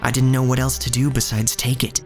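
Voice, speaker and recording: An actor playing an earnest, uneasy young shop boy, narrating his own story in a measured, literary way. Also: medium pitch, monotone, soft background music, natural voice. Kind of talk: first-person scripted narration in audio drama.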